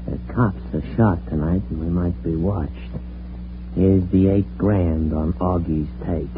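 A shifty mob bagman in an old radio crime play, very low in pitch. The talk is chummy, furtive and full of slang. It comes through a thin, band-limited recording with noticeable hum. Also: steady tone, takes it slowly, phone-quality sound. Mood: hurried, furtive. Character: furtive male gangland bagman, chummy and hurried. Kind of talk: old-time radio crime drama acting.

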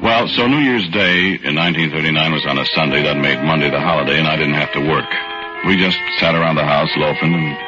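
An actor playing an easygoing working man who narrates his own story. He tells it in a folksy, relaxed way, in 1940s radio acting. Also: very deep voice, fast talker. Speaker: narrator and lead character. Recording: dull lo-fi old radio recording with music.

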